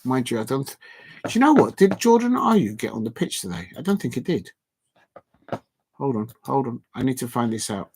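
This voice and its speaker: A man's voice: mid-range voice, big pitch swings, normal speed, slightly rough. Rambling man signing off a stream. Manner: rambling, filler-heavy, reading out chat shout-outs. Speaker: football watch-along streamer. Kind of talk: casual late-night live stream wrap-up. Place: at home at night with a TV on.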